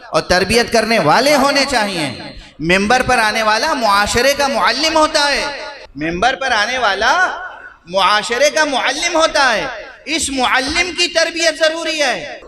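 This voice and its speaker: High-voiced, emphatic preacher. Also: male voice. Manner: rhetorical questions to the audience, emphatic repetition. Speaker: Shia religious scholar. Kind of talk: majlis sermon.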